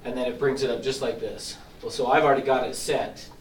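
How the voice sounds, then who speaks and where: A man training real estate agents, walking them step by step through signing software in a casual, explanatory way, a bit hoarse and clearing his throat as he loses his voice. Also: mid-range voice, steady tone, a little fast. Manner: explanatory, casual, self-deprecating. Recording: echoey room from far off, faint hiss.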